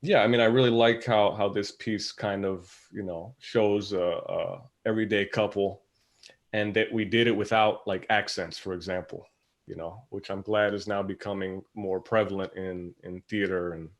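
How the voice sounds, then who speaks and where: Male panel guest, somewhat low pitch, informal and tentative conversational delivery. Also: steady tone, normal speed. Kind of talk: casual conversation.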